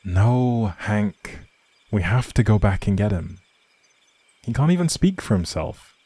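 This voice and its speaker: A man playing an outlawed prince, a gentle, protective leader, in earnest dramatic roleplay audio with old-fashioned, measured phrasing and a husky, breathy voice. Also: fairly low pitch, big pitch swings, no echo. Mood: firm, alarmed.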